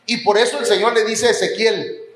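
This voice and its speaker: This pastor's voice is high, fairly bright and steady, and he talks fairly quickly. He has a Mexican Spanish accent and delivers a sermon with rising emphasis and an occasional joke, recorded in a church hall full of echo.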